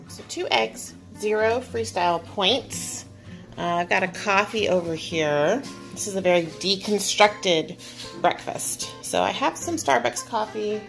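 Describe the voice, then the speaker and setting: A woman's voice: fairly low pitch, vocal fry. A woman in her forties chatting casually and rambling in a vlog. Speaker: vlogger. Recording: distant mic under loud music.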